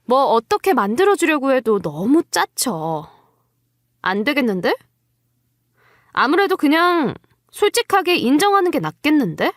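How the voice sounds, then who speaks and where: A high, expressive voice of a wronged young wife, acted by a woman in a dramatized story. She is coolly mocking and defiant, drawing out her sarcasm at an unhurried pace. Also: no echo, studio quality. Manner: sarcastic, taunting.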